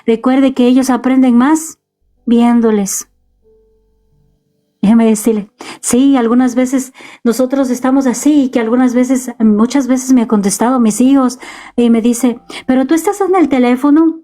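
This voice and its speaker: A woman in middle age gives an exhorting home sermon from her son's bedroom, talking straight to parents. Her voice sits a little high and sounds mellow and dark in tone. Faint music plays behind her. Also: steady tone, unhurried. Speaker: preacher.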